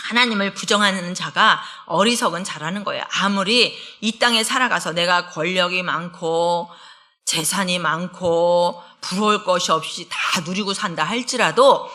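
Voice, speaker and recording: A woman's voice: on the low side, moderate pace, bright, forceful tone. A middle-aged woman pastor giving an earnest, conversational sermon in a church. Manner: earnest, conversational preaching with acted quotes. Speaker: associate pastor. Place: church sanctuary.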